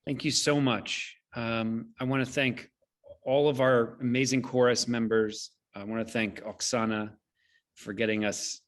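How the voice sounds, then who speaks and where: A man with a mid-pitched voice hosts an online event. He gives closing remarks in a measured, solemn way, building phrases through deliberate repetition. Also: steady tone. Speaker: host, theater company director. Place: indoors, online video call.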